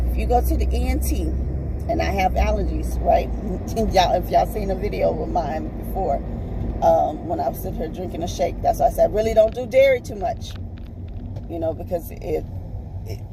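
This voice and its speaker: A woman with a raspy voice, chatting to viewers from her car in a rambling, chatty way. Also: lowish voice, background noise. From Texas, US. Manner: rambling, chatty, calls viewers y'all and honey. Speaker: vlogger. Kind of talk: casual chat to viewers while driving. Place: in a parked car.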